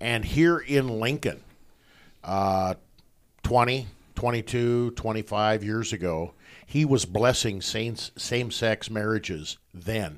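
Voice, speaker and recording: On a very clean recording with a silent background, a man with an American accent speaks very slowly at medium pitch, using ordinary pitch variation. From US Midwest, Nebraska. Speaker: pastor. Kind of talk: casual chat.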